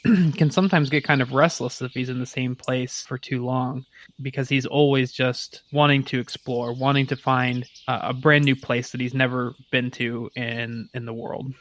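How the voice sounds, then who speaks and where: Male tabletop player, mid-range voice, casual and thoughtful, piecing a character description together haltingly. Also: medium pitch. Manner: thoughtful, halting, rephrasing as he goes. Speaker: player in a tabletop role-playing game.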